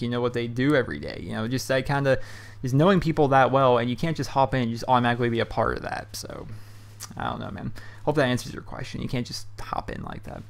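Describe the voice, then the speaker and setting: Fast-talking young man rambling at home. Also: medium pitch, gravelly. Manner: loose and chatty, heavy on fillers like um and you know. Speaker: YouTube host answering viewer questions. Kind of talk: casual rambling commentary. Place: his hot bedroom at home.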